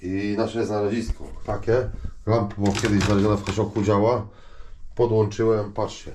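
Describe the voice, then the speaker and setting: A man giving casual, rambling vlog commentary, halting and repeating himself as he addresses viewers. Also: on the low side, flat delivery, noisy background. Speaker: vlogger showing finds from discarded junk.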